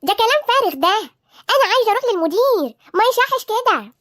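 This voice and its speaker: A bossy, sharp-tongued Egyptian grandmother in a cartoon, scolding and fiercely protective. The voice is very high and quick, and the recording is bone-dry. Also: sing-song, no echo, heavily acted. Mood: indignant. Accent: Egyptian Arabic.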